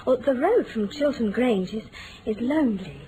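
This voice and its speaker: Young English lady, female actor, genteel, anxious, earnest, highish lively voice, dramatic hesitations, 1940s radio drama, noisy old recording. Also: moderate pace, lightly acted. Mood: earnest, uneasy. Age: young adult. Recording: noisy vintage radio broadcast.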